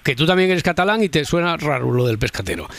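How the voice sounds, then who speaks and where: A man's voice: a little high, expressive, fast, creaky, a crowd in the background. A man hosting a late-night radio talk show in a chatty, eager way, often repeating words. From Spain. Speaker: radio host. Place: radio studio.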